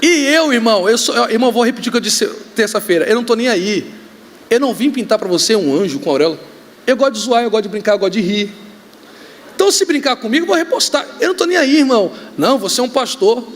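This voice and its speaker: Man, Brazilian accent, pastor, sermon, joking storyteller, very high pitch, faint background ambience. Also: fast, a little hiss or hum. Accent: Brazilian Portuguese. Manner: joking, animated storytelling with shouts. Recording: reverberant hall, faint ambience.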